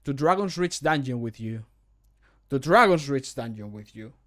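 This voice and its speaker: A man, a native Spanish speaker, voicing a scolding, stern city guard for a fantasy game in a deliberate, warning manner. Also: medium pitch, animated, fairly bright tone, natural voice. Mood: commanding.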